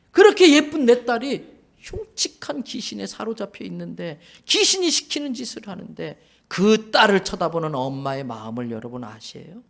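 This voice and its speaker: A man preaching a sermon in church as pastor, animated, acting out quoted voices and questioning the congregation. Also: extremely high pitch, creaky. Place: church sanctuary.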